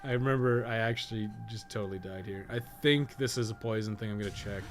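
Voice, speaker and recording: A man's voice: lowish voice, quick pace, over music. A man giving casual gaming commentary, thinking aloud in a rambling, profane way with joking asides. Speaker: podcast co-host playing a video game.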